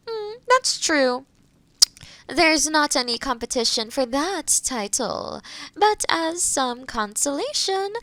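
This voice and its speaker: A woman playing a kind, skilled witch in an intimate roleplay audio drama, gently reassuring, with soft near-whispers and thoughtful murmurs. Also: high voice, no echo, exaggerated voice. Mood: playful pride.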